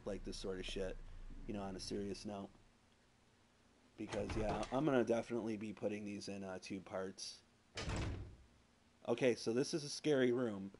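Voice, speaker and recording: A man talks over his game stream in a loose, rambling way, tossing in "like" and curse words as he plays. His voice sits a little low, and a steady hiss runs under it from a cheap console streaming mic. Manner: rambling and crude, heavy use of "like" and swearing. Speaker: gameplay streamer. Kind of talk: casual let's-play commentary. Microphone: PS4 streaming mic. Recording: noisy home stream audio.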